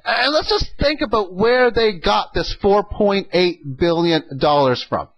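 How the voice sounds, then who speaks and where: High-pitched man giving opinionated commentary. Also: lively intonation, measured pace, a bit bright, poor audio. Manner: opinionated, emphatic, asks rhetorical questions and answers them. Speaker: host of an economic audio log. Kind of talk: informal opinion commentary on economic news.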